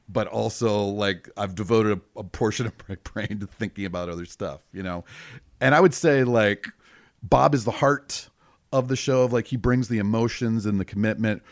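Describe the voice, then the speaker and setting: A middle-aged man with a deep voice, an improv performer and teacher talking casually in a podcast interview, often acting out bits of scenes. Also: no echo, studio quality. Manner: animated, acts out quick bits of scenes with laughs.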